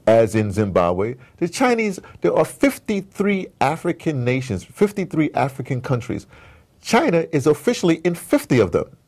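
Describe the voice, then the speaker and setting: A man's voice: fairly high pitch, huge pitch swings, normal speed, a little mellow, slightly rough. A man being interviewed, speaking in an emphatic, digressive way and repeating phrases to drive them home. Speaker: interviewee, audio drama producer. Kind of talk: animated interview conversation.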